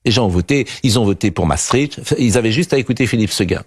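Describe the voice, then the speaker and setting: Un homme qui anime un débat télévisé, sur un ton appuyé et tranché, qui coupe la parole à ses invités. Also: male voice, fairly low pitch, expressive, fast, husky. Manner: emphatic, opinionated, interrupts. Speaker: host. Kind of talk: TV debate hosting.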